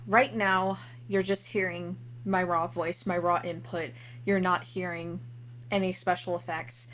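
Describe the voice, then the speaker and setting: A woman giving a casual live software walkthrough, recorded with clear noise and hum behind her. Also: medium pitch. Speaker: demonstrator of voice changer software. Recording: clearly noisy, humming home recording.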